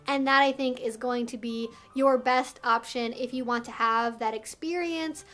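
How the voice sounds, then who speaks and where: A woman's voice: a little high, fairly even intonation, moderate pace, fairly bright tone. A woman hosting an instructional video, explaining things to viewers in an articulate, emphatic way. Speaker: video host and educator. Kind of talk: instructional talk to viewers, semi-scripted.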